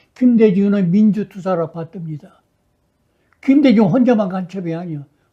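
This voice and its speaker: This man's voice has a dark, mellow tone and high pitch. His intonation is lively. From South Korea, South Chungcheong. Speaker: former intelligence officer. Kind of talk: interview testimony. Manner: animated.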